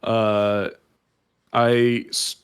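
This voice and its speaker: A man's voice: fairly low pitch, level tone, very slow. A man co-hosting a podcast, explaining things casually at length with many "um"s and restarts. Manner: rambling, explanatory, filler-heavy. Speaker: podcast co-host. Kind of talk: casual chat.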